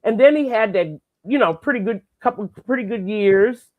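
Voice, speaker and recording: A woman's voice: mid-range voice, animated, normal speed, narrow, tinny audio. A woman giving blunt, opinionated takes in a casual sports chat show. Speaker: segment guest commentator.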